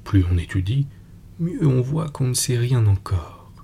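A man reading the lines of a calm, guarded woman governess called a fairy, in a slow, low, gravelly voice. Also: a little hiss or hum. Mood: calm, secretive. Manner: tranquil, guarded, gently firm.

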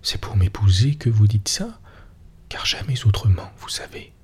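Man whispering as a teasing young woman, breathy, whispered role-play. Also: on the low side, sing-song, measured pace, mellow, heavily acted. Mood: coy. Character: lively teasing young woman, tipsy, practical.

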